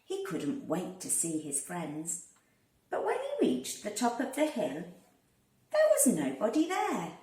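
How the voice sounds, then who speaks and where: A woman narrates a children's storybook in an expressive, deliberate manner. Her pitch moves up and down a lot and her pace is slow. She is a little away from the microphone in a reverberant room. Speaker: primary school teacher reading aloud. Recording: roomy, distant microphone.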